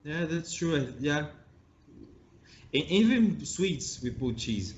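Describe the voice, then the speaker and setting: A man's voice: on the high side, sing-song, slow pace, a little mellow, dull audio, a little hiss or hum. A Brazilian man hosting an interview in English with a Brazilian Portuguese accent, sometimes searching for words. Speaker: podcast host. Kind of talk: casual interview chat.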